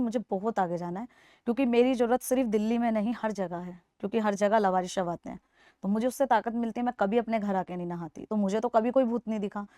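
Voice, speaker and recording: A young woman from Delhi speaks earnestly as a podcast guest, pressing her points and coming back to them again and again. Her voice sits fairly high, and the recording is close and dry. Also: a little mellow, no room sound. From Delhi, India. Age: 20s. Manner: earnest, persuasive, repeats points for emphasis. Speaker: interview guest. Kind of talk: earnest podcast interview answers.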